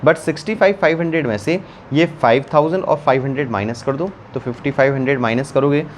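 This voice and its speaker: A man's voice: mid-range voice, fast talker, slight background noise. A man teaching an online accountancy class, working sums aloud while writing and teasing his students. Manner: chatty, teasing, calls students beta.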